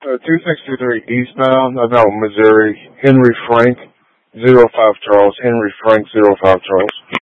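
A man's voice crackling over a police radio, thin and phone-like in band. He talks at a middling pitch, terse and businesslike, rattling off codes and plate numbers. Every word is squeezed through the narrow radio channel. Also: fairly even intonation, normal speed, dry recording. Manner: terse, matter-of-fact radio delivery with fillers. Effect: police radio transmission. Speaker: police officer on patrol.

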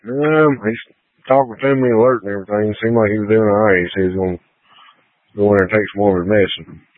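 A very deep-voiced man speaks in clipped codes over a police radio. The sound is tinny and dry. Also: fairly even intonation, fast, no room sound. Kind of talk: radio traffic.

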